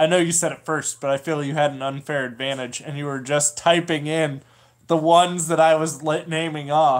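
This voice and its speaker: A man's monotone, flat delivery on a very clean recording with a silent background. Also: fairly high pitch for a man, moderate pace. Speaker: game review streamer hosting live trivia. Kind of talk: live stream trivia chat. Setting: live stream with chat. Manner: loud.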